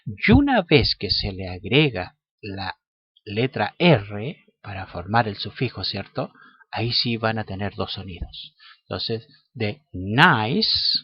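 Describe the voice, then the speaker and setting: Male teacher, patient explainer, slow delivery, dry muffled recording. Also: mid-range voice, husky, no room sound. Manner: slow, patient, checks in with "¿cierto?" and "¿ya?". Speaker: English teacher. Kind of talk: lesson explanation.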